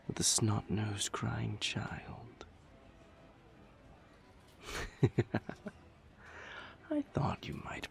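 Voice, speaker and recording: A man playing a suave, flirtatious vampire in intimate roleplay audio, with breathy half-whispers and formal, silky phrasing. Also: lowish voice, exaggerated voice. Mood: amused, courteous. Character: suave seductive male vampire, indulgent and flirtatious.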